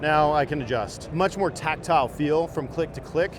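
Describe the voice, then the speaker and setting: An enthusiastic man walks visitors step by step through new products at a trade show booth. His voice sits a little high, with loud crowd chatter around him on the show floor. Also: normal speed. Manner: enthusiastic, explanatory. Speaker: optics company rep. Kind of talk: product demo.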